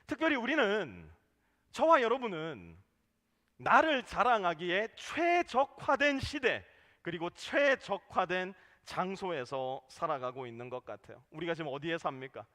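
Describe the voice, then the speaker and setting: A male pastor preaches in a high, bright voice that swings widely up and down. He is animated and sometimes acts out the voices of members of his church. A long reverb trails behind him in the sanctuary. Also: unhurried. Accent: Korean. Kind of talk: sermon.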